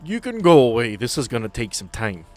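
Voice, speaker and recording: A man voicing a gruff, scornful fantasy craftsman in a tabletop game, curt and brusque. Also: mid-range voice, big pitch swings, brisk, darkish tone, faint music behind, close to an everyday voice. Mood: dismissive. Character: gruff dismissive male craftsman, scornful of little humans.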